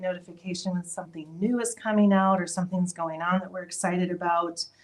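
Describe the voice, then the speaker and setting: A woman's somewhat breathy voice, medium in pitch, at a fairly quick pace. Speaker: product specialist demonstrating quilting tools. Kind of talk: live stream product demo chat.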